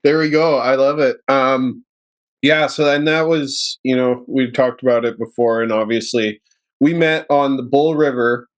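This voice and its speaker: A man's voice: mid-range voice, unhurried. A man hosting a podcast, asking questions in a laid-back, chatty way. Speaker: podcast host. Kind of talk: casual interview conversation.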